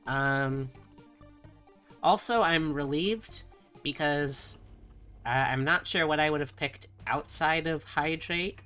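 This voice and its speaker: Slow-paced woman chatting on a livestream. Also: low voice, fairly bright tone, faint music behind. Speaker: live streamer. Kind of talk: casual chat with livestream viewers.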